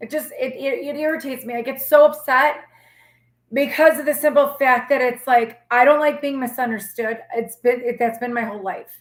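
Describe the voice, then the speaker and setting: A woman puts on a raspy character voice, high in pitch, delivered at a moderate pace with fairly even intonation. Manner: upset, frustrated.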